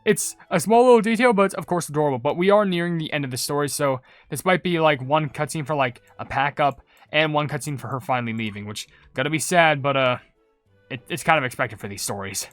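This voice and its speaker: A man's voice: a little high, quick pace, fairly bright tone, no echo. A man giving casual, chatty, rambling reaction commentary on a video game. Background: game music.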